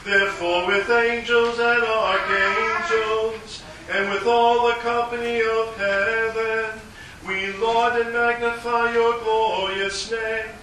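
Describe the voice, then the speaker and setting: Pastor in cathedral echo. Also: male voice, level tone. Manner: solemn, measured prayer reading. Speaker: pastor leading the liturgy. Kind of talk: liturgical prayers and chanted liturgy. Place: large church sanctuary. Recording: booming church echo, distant mic, background noise.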